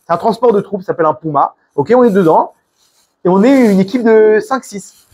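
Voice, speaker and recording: A man's voice: high-pitched, lively intonation, a little fast, a little mellow, breathy edge. A man from France with a French accent, giving an informal sermon full of stories, restarts and Hebrew religious terms. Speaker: preacher.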